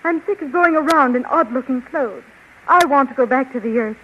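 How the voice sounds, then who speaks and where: A woman's voice: high voice, a little fast, slight background noise, natural voice. An actress playing a weary young woman who pleads to go home, in a 1930s radio drama, recorded on a dull old radio broadcast. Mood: pleading. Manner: pleading, anxious.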